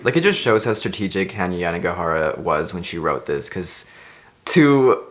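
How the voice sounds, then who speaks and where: Low-voiced man, rambling casually. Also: big pitch swings, moderate pace, slight background noise. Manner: hesitant, repeats words and phrases while thinking aloud; casually sweary. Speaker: vlogger reviewing a book. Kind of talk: casual rambling vlog chat.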